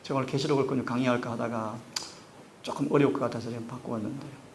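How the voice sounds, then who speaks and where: A man preaching a sermon, acting out scripture dialogue with big swings in pitch and loudness. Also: steady tone, racing, slight background noise. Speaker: pastor.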